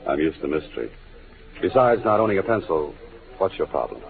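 Dan Holliday, low-voiced wry writer. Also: male voice, big pitch swings, a little fast, vocal fry, exaggerated voice. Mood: wry, casual. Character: wry, wisecracking writer and adventurer. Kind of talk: 1940s radio acting. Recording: muffled old radio recording.

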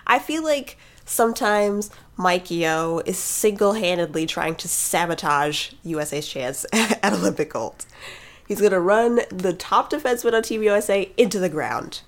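A woman's voice: medium pitch, animated, moderate pace. A woman co-hosting a casual hockey chat, wry and chatty, often laughing.

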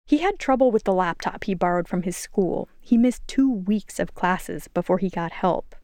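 Female reporter, mid pitch, dry studio narration. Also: animated, normal speed, warm tone, no echo. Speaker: education reporter. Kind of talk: scripted news narration.

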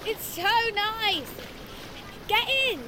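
A woman's voice: very high voice, very slow, background noise, full character voice. A woman playing a carefree, upbeat friend who talks in a bubbly, laid-back way on a pebble beach. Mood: cheerful. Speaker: love interest.

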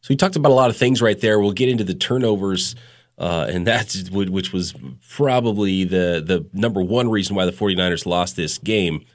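A man's voice: sits low, brisk. A man hosting a sports podcast in casual talk, a bit stuffed up from a cold, candid and blunt. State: stuffed up, a little sick. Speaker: podcast host.

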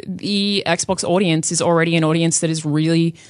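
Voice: medium pitch, steady tone, moderate pace, no echo, clean studio sound. An emphatic, opinionated panelist chatting casually about video games on a talk show.

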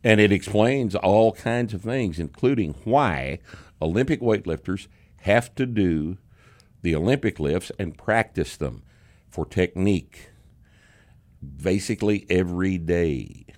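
A man with a slight Texas accent hosting a casual podcast, talking in a gruff, profane, sarcastic way. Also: low voice, lively intonation, unhurried. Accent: Texan. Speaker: podcast host, strength coach.

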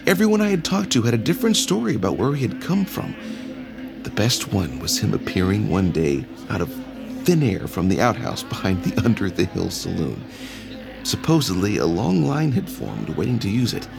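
A young professor, hesitant, gravelly, lowish, lively pitch. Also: male voice, moderate pace, over music. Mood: nervous. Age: young adult. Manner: hesitant, fumbling, full of uhs. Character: young male anthropology professor, eager, nervous.

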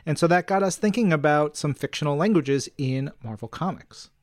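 A man's voice: a little high, a little fast, a little mellow, no room sound, clean studio sound. A man co-hosting a podcast in casual promotional fan chat, speaking with an enthusiastic, emphatic, jokey manner. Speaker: podcast co-host.

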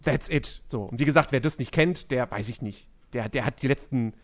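A man's voice: mid-range voice, a little fast. A man co-hosting a podcast in casual chat, retelling a story with dry asides. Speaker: podcast co-host.

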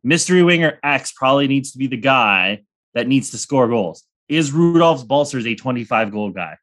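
A man's voice: mid-range voice, animated, moderate pace, a bit bright. A young man hosting a sports podcast in casual chat, rambling and joking with crude humor. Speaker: podcast host.

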